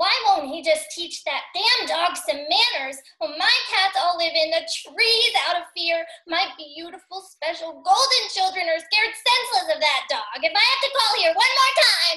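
Putting on a character voice, a woman speaks at a moderate pace in an extremely high pitch, her raised, projected voice carrying a whiny tone. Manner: indignant, whiny.

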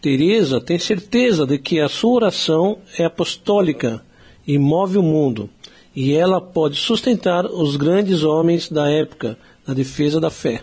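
Speaking at a fairly slow pace, a man with a plain, everyday voice has a fairly high pitch, lively intonation and very even loudness. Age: 50s. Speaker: geography teacher and web radio owner. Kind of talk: reading aloud.

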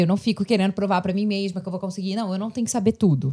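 Talking at a very fast pace, a woman has a medium pitch. Her voice is somewhat breathy with a dark, mellow tone. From Brazil, Rio de Janeiro. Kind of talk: casual interview.

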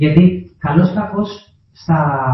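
A man with fairly high pitch and a plain, everyday voice. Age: 30s. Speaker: pharmacist and YouTuber. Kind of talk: podcast interview.

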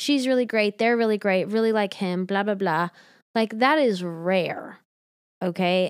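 A woman with an American accent speaks at a medium pitch with ordinary pitch variation, in a normal speaking voice. The recording is very clean with a silent background and a dry, close sound with no echo. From Montana. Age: 20s. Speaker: podcaster and photographer. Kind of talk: casual solo chat. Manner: relaxed, filler-heavy.

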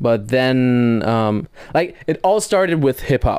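A man with a German accent speaks very slowly at a medium pitch, his intonation lively. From Germany. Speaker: podcaster. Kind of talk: casual chat.

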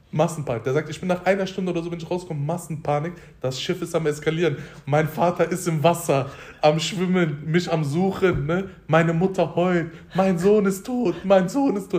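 A high-pitched man speaks at a moderate pace with ordinary pitch variation. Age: 30s. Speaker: podcast co-host, pharma wholesale worker. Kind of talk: casual chat.

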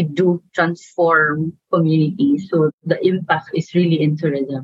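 A woman's somewhat breathy, fairly low-pitched voice at a very slow pace. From Philippines. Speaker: tech startup founder. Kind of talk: interview.

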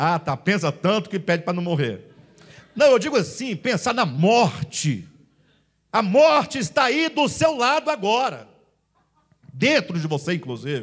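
A fairly slow pace, with very wide pitch swings and long, frequent pauses. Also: man, high pitch for a man. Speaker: pastor. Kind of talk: sermon.

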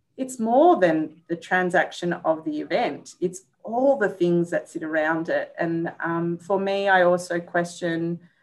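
A woman's fairly low voice in an Australian accent, fairly slow with hardly any pauses, over music in the background. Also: ordinary pitch variation. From Melbourne, Australia. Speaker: theatre executive director. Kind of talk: interview.

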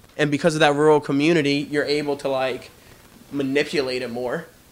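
Noticeable background noise sits behind the speaker. He is a man with a fairly high pitch. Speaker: teacher. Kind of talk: casual chat. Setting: studio. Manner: animated, passionate.

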